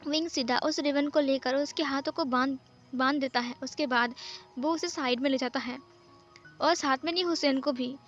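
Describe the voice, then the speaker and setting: Woman storyteller, high voice, steady casual narration, dull lo-fi recording. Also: moderate pace, faint music behind. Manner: plain, steady retelling.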